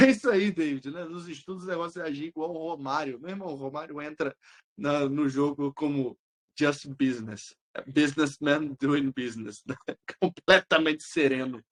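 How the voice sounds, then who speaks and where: A young man with a Brazilian Portuguese accent, an exam-prep teacher talking casually with his students, blunt, slangy and quick to swear. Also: fairly high pitch, fairly bright tone. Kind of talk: casual live chat answering students.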